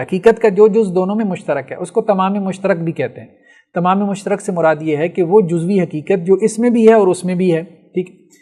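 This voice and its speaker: A man's voice: high voice, darkish tone. A man teaching a logic lesson, explaining step by step and answering his own questions. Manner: often checks with "theek hai". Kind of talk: classroom lecture.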